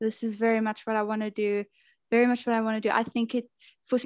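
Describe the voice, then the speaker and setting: A voice with a South African accent, dry sound with no echo, and a quiet background. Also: woman. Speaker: singer-songwriter and medical student. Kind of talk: casual interview. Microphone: earbuds.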